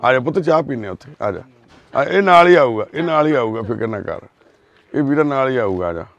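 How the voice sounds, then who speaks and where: Gentle, soothing man in a dull recording. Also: mid-range voice, expressive, brisk, no echo. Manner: gentle, soothing, repeats reassurances. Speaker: social worker helping a lost girl. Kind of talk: live social-service video.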